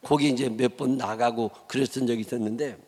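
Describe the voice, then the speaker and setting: A man's voice: mid-range voice, fairly even intonation, fairly quick, a little mellow, husky, in a large hall. A middle-aged man with a Chungcheong accent preaching a sermon as a pastor, telling stories in a blunt, humorous, folksy way. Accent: Chungcheong Korean. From Chungcheong, South Korea. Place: church sanctuary.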